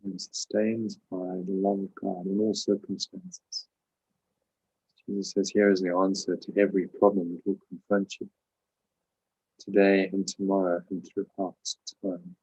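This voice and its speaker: A man with a low, slightly rough voice leads a guided spiritual meditation. His intonation stays very even as he gives calm, measured instructions, leaving pauses between phrases. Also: muffled recording. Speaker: meditation teacher and host.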